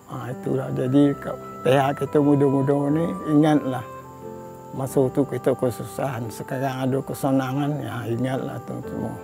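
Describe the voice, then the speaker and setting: With music in the background, a man of medium pitch talks at a moderate pace and fairly even intonation. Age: 80s+. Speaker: war survivor. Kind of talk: interview answer.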